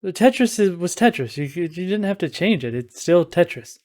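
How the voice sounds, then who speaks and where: A man's voice: high-pitched, animated, fairly quick, darkish tone. A man co-hosting a gaming podcast, joking and teasing the others in casual chat. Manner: joking, teasing, laughs often. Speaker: podcast co-host.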